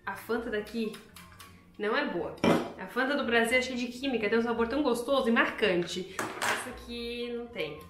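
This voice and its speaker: A woman's voice: fairly high pitch, moderate pace, fairly bright tone, reverberant, faint music behind. A Brazilian woman with a Brazilian Portuguese accent, casually chatting and joking with viewers while testing kitchen gadgets at home. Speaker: YouTuber testing products. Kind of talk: casual product-testing chat to camera.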